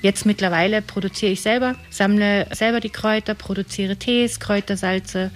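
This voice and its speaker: A middle-aged woman from eastern Germany, an herbalist and park ranger, telling her stories in a lively way. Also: mid-range voice, moderate pace, slight background noise. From Saxony-Brandenburg border, eastern Germany.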